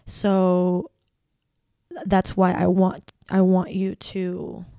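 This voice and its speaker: A woman's voice: fairly low pitch, completely flat delivery, very slow, mellow, clean tone, no room sound, studio quality. A woman from Ecuador with a Latin American Spanish accent, hosting a solo spiritual podcast, effusive and repeating phrases for emphasis. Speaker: podcast host.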